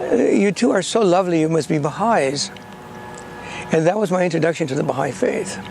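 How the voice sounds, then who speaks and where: Over noticeable background noise, a man talks at a fairly quick pace in a high voice. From US Southwest, Arizona, Yaqui Pueblo. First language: Spanish. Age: 80s+. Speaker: interviewee sharing life story. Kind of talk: oral history interview. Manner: halting, many fillers.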